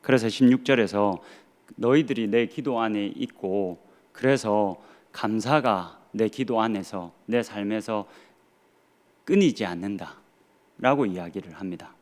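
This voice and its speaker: A man's voice: lowish voice, unhurried, a little mellow. A man in his thirties, a pastor with a Gyeongsang Korean accent, preaching a sermon earnestly with rhetorical questions and dry humor. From Gyeongsang region of Korea.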